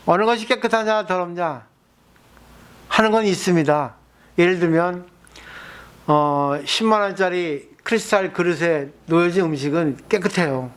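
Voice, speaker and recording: A man with a notably high voice gives a Buddhist dharma talk. He explains things patiently and steadily, and often turns to his listeners with rhetorical questions. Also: normal speed, fairly bright tone. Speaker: Buddhist monk.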